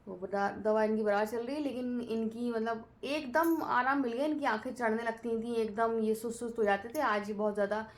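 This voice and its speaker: A woman's voice: on the high side, steady tone, brisk, hardly any pauses. A woman in her thirties talking casually in a family vlog, chatty and rambling with many fillers. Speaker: vlogger.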